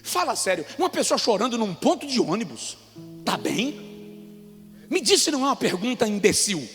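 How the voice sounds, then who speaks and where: A Brazilian man with a Brazilian Portuguese accent preaching a sermon as a pastor. He tells personal stories and swings between hushed appeals and shouted peaks. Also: very high-pitched, big pitch swings, moderate pace. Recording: long reverb with music underneath. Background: soft music.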